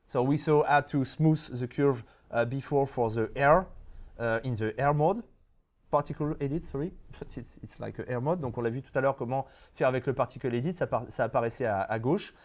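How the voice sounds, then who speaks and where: Speaking at a moderate pace and medium pitch, a bilingual instructor teaches a 3D software class live in front of an audience. He alternates French and English and regularly makes sure the class is following.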